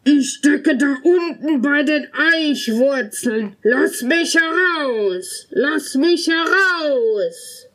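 A woman voicing an arrogant male spirit trapped in a bottle, calling out in slow, loud, drawn-out words. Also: high voice, lively intonation, exaggerated voice. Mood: pleading.

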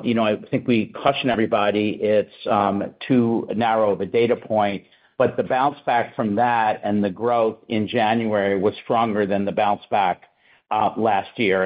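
A man answering analysts as a company executive on an earnings call, in a halting, careful way. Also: on the low side, steady tone. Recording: dull, lo-fi conference call audio.

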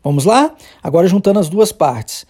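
An English teacher from Brazil with a Brazilian Portuguese accent gives a podcast lesson. The teacher explains patiently, then says short phrases slowly and repeats them for drilling. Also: mid-range voice, sing-song, warm tone, husky.

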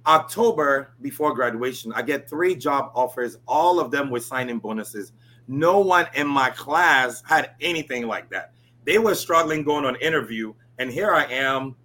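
A man in his forties from Ghana, a guest telling his life story in a relaxed interview, filling his talk with "you know" and "right?". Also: medium pitch, moderate pace. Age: 40s.

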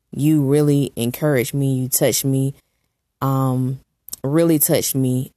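A woman hosting her own podcast, talking in an earnest, encouraging way with a naturally raspy voice made deeper and rougher by a coming cold. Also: a little mellow, no room sound, studio quality. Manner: earnest, preachy encouragement with prayers. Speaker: podcast host. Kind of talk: motivational solo podcast talk.

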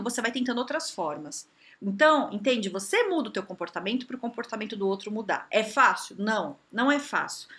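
A woman talks through career and behavior advice in a casual, conversational way. Her voice is bright and fairly high, and her pitch swings widely as she acts out quoted voices.

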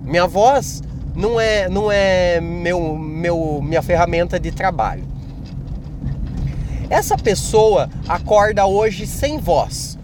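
A man's voice: high-pitched, animated, takes it slowly, noisy background. A man hosting a podcast, rambling through a self-mocking comedic monologue. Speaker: podcast host.

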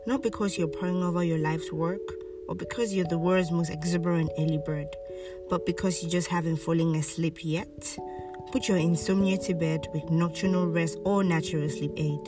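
Female commercial announcer, on the lower side, scripted read, a little off-mic over music. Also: fairly even intonation, normal speed, far from the mic. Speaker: voice-over artist.

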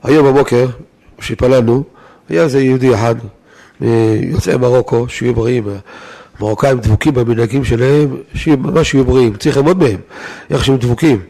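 A rabbi teaching Jewish law in a weekly lesson to a live audience, talking in a lively way, firing rhetorical questions at his listeners and breaking off to restart words. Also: mid-range voice.

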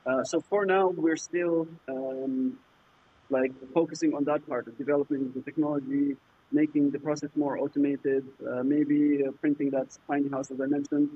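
Man, Arabic native speaker, from Jordan, slightly high, husky voice, fillers and restarts, dull lo-fi call audio. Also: flat delivery. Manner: halting, many fillers and restarts. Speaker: startup founder, guest. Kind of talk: casual interview answers. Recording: muffled lo-fi remote audio.

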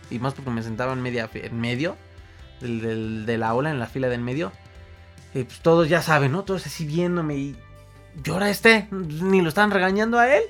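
A young man with a Mexican accent telling an emotional personal story to an audience, animated and repeating words for emphasis. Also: medium pitch.

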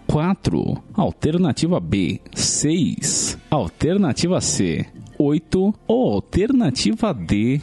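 A man hosting a quiz game, reading out questions slowly and joking with the contestant. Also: fairly high pitch, huge pitch swings, dark tone, husky, faint music behind. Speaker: quiz show host.

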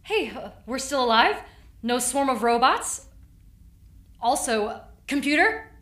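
A woman's voice: high voice, very animated, takes it slowly, a bit bright, heavily acted. An actress playing an anxious, sarcastic young woman exploring a station in an audio drama. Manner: sarcastic and worried. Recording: roomy echo with faint music.

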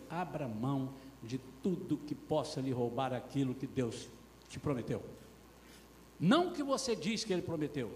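A man preaching a sermon with passion, firing rhetorical questions and swinging between loud and soft. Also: medium pitch. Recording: echoey church hall with faint noise.

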